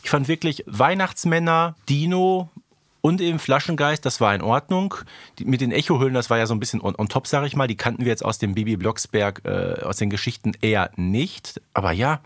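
A man's voice: medium pitch, a little fast, no room sound, clean studio sound. A man in his thirties co-hosting a fan podcast, talking in a casual, colloquial way. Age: 30s. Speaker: podcast co-host.

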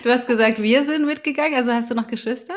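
A woman's voice: fairly high pitch, quick pace. A woman hosting a podcast, asking curious follow-up questions in a casual interview chat. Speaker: podcast host.

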